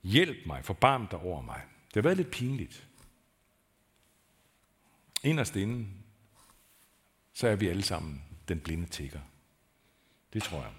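Low-voiced pastor preaching conversationally. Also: male voice. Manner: conversational, searching for words, rising to emphatic peaks. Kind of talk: sermon. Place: church.

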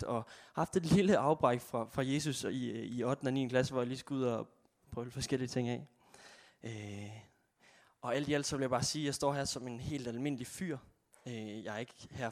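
A man's voice: medium pitch, a little mellow. Earnest young man sharing faith. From Jutland, Denmark. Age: 20s. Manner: earnest, halting, with frequent pauses. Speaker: young church member giving testimony. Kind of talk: personal testimony and closing prayer. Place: church.

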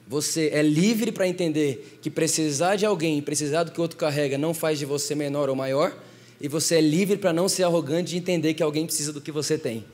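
A young man with a Brazilian Portuguese accent preaching a sermon, telling stories in an animated way and talking straight to the congregation. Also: on the high side, brisk. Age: young adult.

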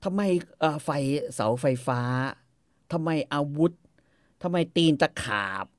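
A man's voice: fairly high pitch, measured pace, dry recording, studio quality. Man musing with rhetorical questions. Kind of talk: casual chat.

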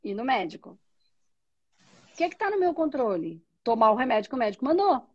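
A woman's voice: on the high side, sing-song, brisk, darkish tone, slightly rough, muffled recording. A woman talking about spirituality, reflective, often asking questions and answering them herself. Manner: reflective, asks and answers her own questions. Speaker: spiritual teacher. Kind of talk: spiritual conversation.

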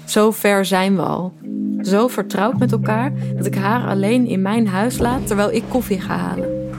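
Female narrator for audio drama, played by an actress: lovesick, introspective, dryly wry, medium pitch, loud music underneath. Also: normal speed, vocal fry, natural voice. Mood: reflective. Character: lovesick young woman narrating her romance, wry and introspective. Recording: music behind.

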